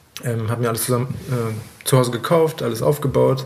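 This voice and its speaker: Over noticeable background noise and audible room echo, a man talks at a moderate pace, his medium-pitched voice keeping a fairly even intonation. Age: 20s. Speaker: wedding DJ. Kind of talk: casual interview. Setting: at his home.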